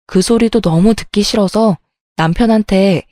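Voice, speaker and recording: A woman's voice: medium pitch, normal speed, warm tone, no room sound, studio quality. A woman reading a first-person family story in a confiding, emotional way.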